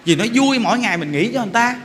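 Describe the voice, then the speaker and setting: High-voiced monk in an echoing temple hall. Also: male voice, animated, rapid-fire, fairly bright tone. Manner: chatty storyteller, often laughs and asks the audience "hiểu không?". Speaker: Buddhist monk giving a dharma talk. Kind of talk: informal sermon with anecdotes. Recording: reverberant hall with faint background noise.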